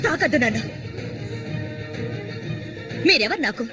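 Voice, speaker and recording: A cold, defiant young widow. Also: female voice, high-pitched, expressive, a little slow. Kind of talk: Telugu film drama. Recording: film soundtrack with music.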